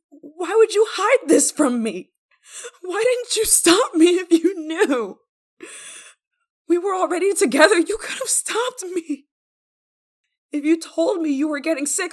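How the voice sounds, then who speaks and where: A woman acting an obsessive, guilt-ridden lover in an ASMR roleplay monologue, with halting, pleading, stammering delivery. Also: extremely high pitch, full character voice. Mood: anguished, frantic.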